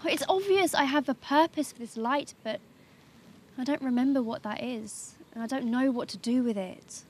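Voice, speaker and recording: A woman's voice: sits high, moderate pace, darkish tone, slight background noise, close to an everyday voice. A young woman playing a troubled, earnest heroine with powers of light in a short fantasy film. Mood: anxious, searching. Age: young adult. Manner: anxious, earnest.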